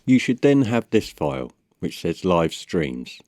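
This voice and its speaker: A man narrating a step-by-step software tutorial in a measured, instructional way. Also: deep voice, sing-song, dry recording, studio quality. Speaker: tutorial presenter.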